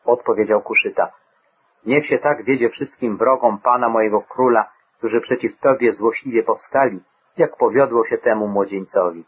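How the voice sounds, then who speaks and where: A man giving a measured, solemn scripted reading of scripture. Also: medium pitch, slightly rough, lo-fi sound. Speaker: Bible reader.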